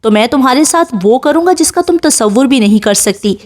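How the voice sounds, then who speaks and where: A woman's voice: high voice, very animated. A woman reading a novel aloud, voicing an arrogant, hot-tempered rich young man who speaks in a harsh, commanding way. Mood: furious.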